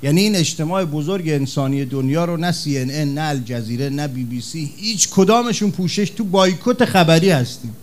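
A man preaching a fervent religious sermon, telling stories and building to loud, impassioned cries. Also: a little high, few pauses.

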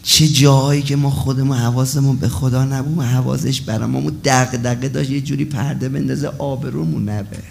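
A man preaching an emotional storytelling sermon at a religious gathering, swinging between loud passages and hushed ones. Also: mid-range voice, steady tone, creaky, few pauses, a little hiss or hum.

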